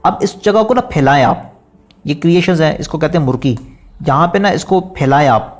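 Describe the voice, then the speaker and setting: A man with a Pakistani Urdu accent teaching an online naat singing lesson, politely explaining, counting repetitions aloud and singing drawn-out phrases. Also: fairly high pitch, lively intonation.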